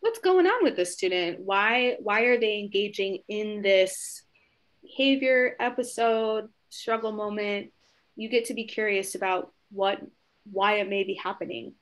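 A woman giving a conversational training webinar to educators, encouraging and warm, often checking in with "right?" and acting out short exchanges with children. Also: medium pitch, measured pace.

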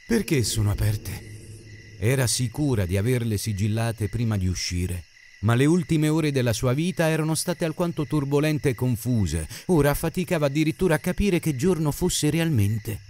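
A man reading an Italian novel aloud as narrator, in an expressive, dramatic style. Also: medium pitch, normal speed, a little hiss or hum. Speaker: audiobook narrator. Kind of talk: scripted narration.

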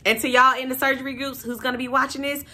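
A young woman talks straight to her viewers in a loose, slangy vlog. Her voice is bright and forward. She is animated, calling everyone y'all and sis. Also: high-pitched, quick pace. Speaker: vlogger. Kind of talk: casual vlog chat to camera.

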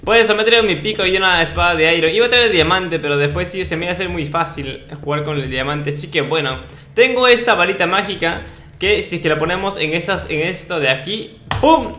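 A young man with a high, bright voice commentates casually over a video game. He talks in playful slang and boasts in jest. The sound is roomy and echoey. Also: lively intonation, fast. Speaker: gaming video host. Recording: roomy echo, faint noise, clicks.

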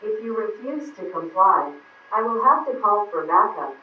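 A synthetic female voice speaking for a security robot dog in a too-smooth android manner, calm, polite and formal, heard through a tinny speaker from far off in an echoey space. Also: mid-range voice, moderate pace. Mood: firm polite. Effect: too-smooth android text-to-speech voice.

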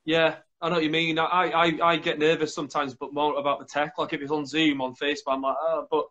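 Man in his thirties, host, fast-talking, slightly high voice, chatty, video call. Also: little pitch movement, fairly bright tone, dull audio. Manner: quick, enthusiastic and chatty. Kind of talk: casual chat.

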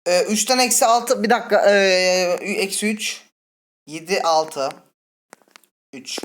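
A woman playing a horror game and commenting with a Turkish accent, chatty and full of swearing, breaking into startled high shrieks. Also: slow, slight background noise. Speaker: gaming channel host. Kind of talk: let's play commentary. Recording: faint game music behind.

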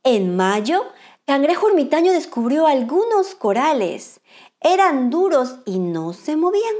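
High, sing-song woman storyteller for children. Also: sing-song, a little slow. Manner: bright sing-song, exaggerated welcome to children. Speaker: children's storyteller, channel host. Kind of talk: expressive read-aloud of a picture book for children.

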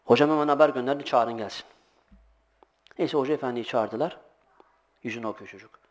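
A middle-aged religious teacher gives an informal sermon, telling lively anecdotes, acting out voices, and laughing often. He speaks fast at a medium pitch.

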